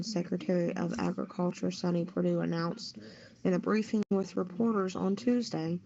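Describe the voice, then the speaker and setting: A woman's voice: on the low side, a little mellow. A woman from the United States reading news aloud as a co-host and adding personal comment. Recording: dull lo-fi, crowd noise behind.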